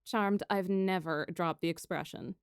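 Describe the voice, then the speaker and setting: A woman's voice: lowish voice, unhurried, clear, resonant tone, dry recording. Nineteen-year-old royal engineer, female actor, witty and spirited, theatrical narrator of fantasy audio fiction, dry booth sound. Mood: exasperated. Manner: theatrical, expressive storytelling. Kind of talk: first-person scripted narration, fan audio fiction.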